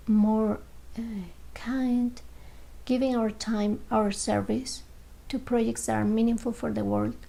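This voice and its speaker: A woman leading a guided meditation, speaking slowly and gently in short phrases with long pauses, sometimes dropping to a soft near-whisper. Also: a little high, creaky, low-quality recording.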